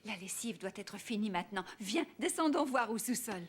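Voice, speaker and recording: A woman voicing a gentle, playful older grandmother in a French cartoon dub, coaxing in a singsong way. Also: medium pitch, animated, moderate pace, lightly acted. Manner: singsong, coaxing, makes games of chores. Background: background music.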